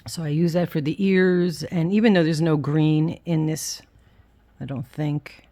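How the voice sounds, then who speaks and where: Low-voiced woman with a whistling s. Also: fairly even intonation, measured pace, mellow. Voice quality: whistling s through the teeth. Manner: candid, self-deprecating. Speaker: craft vlogger. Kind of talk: casual rambling show-and-tell.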